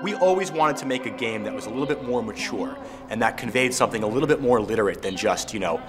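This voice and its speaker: A game co-creator, a man, telling lively anecdotes in a documentary interview, with many "you know" fillers. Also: mid-range voice, fast. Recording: reverberant room with music underneath.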